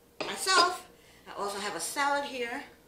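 A woman speaks over loud background noise. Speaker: mukbang vlogger. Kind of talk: casual vlog chat. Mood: relaxed, chatty. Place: home room. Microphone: webcam.

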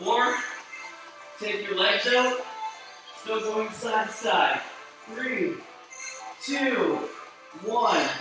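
In a room with strong echo and clear music in the background, a man speaks in a raised, projected voice. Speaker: fitness instructor. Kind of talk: live workout instruction. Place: empty room. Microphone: camera far.

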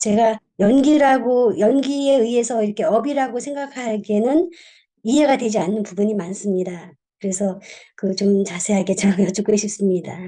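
This woman has a dark, mellow tone and a fairly high pitch, speaking at a moderate pace with ordinary pitch variation. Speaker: meditation practitioner asking a question. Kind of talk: question at a Q&A session. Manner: halting.

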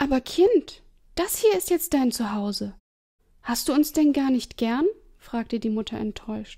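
A woman with a high pitch and a dark, mellow tone speaks in a calm, soothing way at a fairly slow pace, her pitch swinging very widely, with long, frequent pauses. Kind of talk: bedtime story, scripted narration read aloud. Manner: calm, soft and slow, gently soothing; narrates in a storyteller's tone, adding subtle character voices for dialogue.

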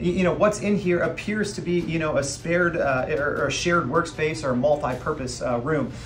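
Faint music plays behind a man. He speaks at a moderate pace. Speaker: event host interviewer. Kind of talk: commentary. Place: hall. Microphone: phone near.

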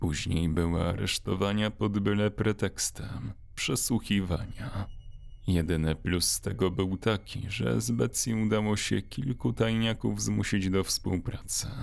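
Using a dramatic tone with lively intonation and vocal fry, a man speaks at a fairly slow pace. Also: fairly low pitch for a man, very even loudness. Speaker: horror story narrator. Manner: hushed, ominous and suspenseful, with dramatic pauses and teasing asides to the listener.

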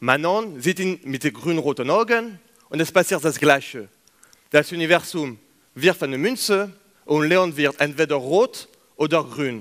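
With a French accent, a man talks at a fairly slow pace with lively intonation and long, frequent pauses against a quiet background. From France. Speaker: physics doctoral student. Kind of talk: science slam talk. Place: stage.

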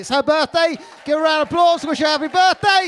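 A man speaks in an extremely high pitch. Light background noise runs underneath. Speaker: comedy night host. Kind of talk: closing announcements from stage; compere closing announcements. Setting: stage with audience. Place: stage. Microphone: handheld.

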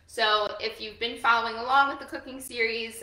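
With audible room echo around her, a woman speaks with ordinary pitch variation. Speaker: cooking instructor. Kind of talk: tutorial. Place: kitchen. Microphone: camera far.

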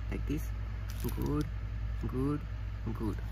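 A man speaks at a very slow pace with a very deep, low pitch and fairly even intonation. The sound is dry with no echo, though noticeable background noise is present. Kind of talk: role-play ASMR-style exam talk to camera. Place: shop. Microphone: phone near.

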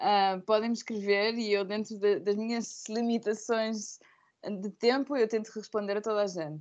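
Fairly high-pitched female speech at a moderate pace over a quiet background. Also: fairly even intonation. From Portugal. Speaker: philosophy professor. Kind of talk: academic lecture; lecture. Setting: video call. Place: home room. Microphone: earbuds.

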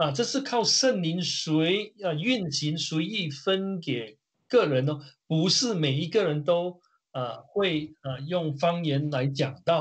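Here a man speaks at a fairly high pitch. His intonation is lively and his pace very slow. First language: Mandarin Chinese (speaking French). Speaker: preacher. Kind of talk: sermon. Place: home room. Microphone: webcam.

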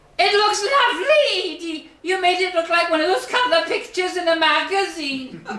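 A loud, shrill put-on character voice at an extremely high pitch, moderate pace, hardly any pauses and slight echo. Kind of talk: dramatic monologue, voicing family characters. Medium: stage play. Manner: loud, carrying.

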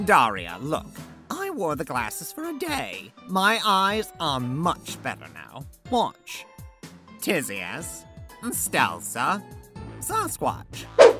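The voice is cartoonish and the pace is very slow. Clear music plays in the background. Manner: earnest, overconfident.

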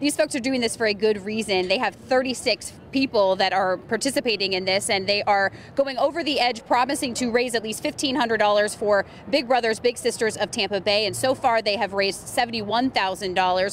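Speaking at a moderate pace with hardly any pauses, a woman shows ordinary pitch variation. The sound is dry with no echo, over light background noise. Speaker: TV field reporter. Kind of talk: live news report. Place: street.

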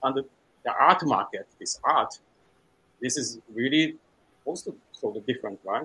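A man with a Japanese accent talks at a moderate pace in a fairly high pitch with a bright, sharp tone. His pitch varies in an ordinary way, and he leaves long, frequent pauses. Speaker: sculptor; panelist. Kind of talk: panel discussion. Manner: halting. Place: home room. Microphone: webcam.

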